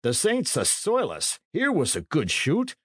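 A man voicing a gruff, uneasy middle-aged male retainer with brusque, old-fashioned speech. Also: a little high, huge pitch swings, unhurried, fairly bright tone, dry recording, clean studio sound, voice pushed up, full character voice. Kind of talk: audiobook character voice.

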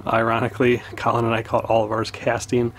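A man in his thirties hosting a casual fishing vlog, talking in a relaxed, rambling way with lots of "uh"s. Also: medium pitch, fairly quick, a little hiss or hum. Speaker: fishing channel host. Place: open boat on a windy lake, outdoors.

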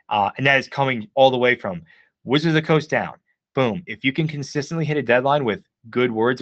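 A man's voice: lowish voice, fairly bright tone, no echo, highs cut off. A man who is a guest, giving advice in casual live-stream chat, emphatic and filled with "like.". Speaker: guest, game writer.

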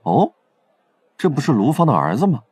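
A man's voice: mid-range voice, sing-song, normal speed, darkish tone, slightly rough, no echo. An actor playing a cocky, teasing young male police detective in an audio drama. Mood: casual.

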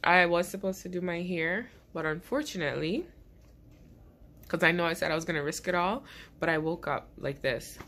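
In a small bedroom, a woman in her thirties with a head cold talks casually to her camera, chatty, rambling, and quick to laugh. Her voice is lowish and fairly bright in tone, at a moderate pace.

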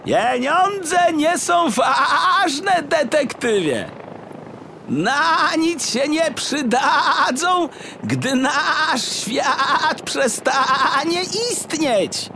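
Slow, high-pitched croaking frog official. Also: male voice, expressive, bright, forceful tone, a little hiss or hum, exaggerated voice. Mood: ominous. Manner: drawn-out, courteous, theatrical. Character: smug, mysterious croaky male frog official. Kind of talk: audiobook character acting for children.

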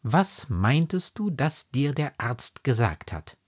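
A man's voice: mid-range voice, very animated, slow, husky, voice pushed up, exaggerated voice. Man doing a stern, indignant aristocratic mother. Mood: anxious. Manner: indignant, exclaiming, elevated diction. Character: aristocratic mother, proud, stern, then anxious.

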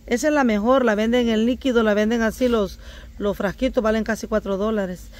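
A woman's voice: a little high, steady tone, brisk, darkish tone. A woman from El Salvador with a Salvadoran accent, chatting to camera and telling earnest stories to her viewers. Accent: Salvadoran Spanish. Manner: earnest storytelling, addresses viewers directly. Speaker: vlogger. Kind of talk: casual chat to camera.

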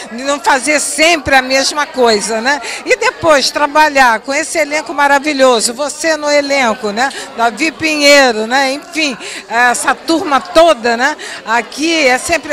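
An older actress speaking backstage into a handheld mic, chatty, tagging her sentences with little checks to the listener. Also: high-pitched. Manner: warm, chatty, tags lines with "né". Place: backstage at a theater, indoors. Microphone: handheld interview mic.

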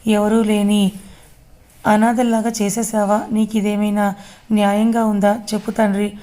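A woman's voice: mid-range voice, flat delivery, moderate pace, warm tone, close to an everyday voice. A woman reading the lines of a grieving older aunt who cries out to god, with plain read-out dialogue. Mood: lamenting.

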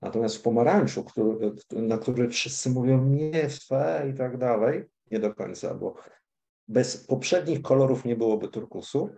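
A man on a video call, organizing the meetup and explaining ideas in a measured way. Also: medium pitch, gravelly, mellow.

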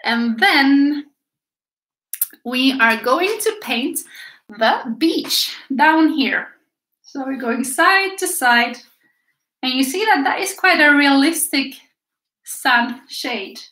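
Swedish lady art teacher, high voice, chatty and encouraging, echoey little room. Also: sharp tone. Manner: chatty, encouraging, talks to viewers while painting. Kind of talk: live paint-along lesson. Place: small indoor room by an easel. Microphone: camera a few feet away, turns away at times.

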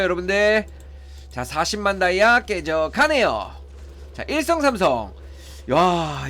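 A man's voice: high-pitched, fairly bright tone. A man giving casual play-by-play of his mobile game pulls, counting results and pleading for good draws. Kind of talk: casual gameplay commentary.

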